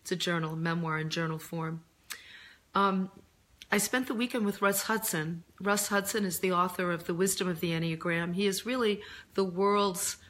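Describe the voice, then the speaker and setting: A middle-aged woman speaks in a low voice, deepened as she recovers from laryngitis. She talks informally to online viewers, reflective and earnest, often halting as she finds her words. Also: a bit bright. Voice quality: voice deeper than usual. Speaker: host of a live stream, author and coach. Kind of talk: casual live chat answering viewer questions.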